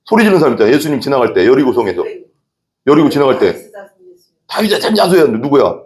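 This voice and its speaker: A man's voice: mid-range voice, big pitch swings, rapid-fire, darkish tone. A male pastor preaching an evening church sermon, telling the story with energy and often asking the congregation questions.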